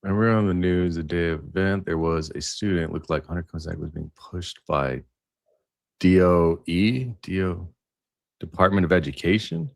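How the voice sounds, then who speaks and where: A man with a slightly low voice, recorded dry. He speaks informally, as a panelist in a livestream discussion. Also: normal speed, creaky, no echo. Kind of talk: casual discussion.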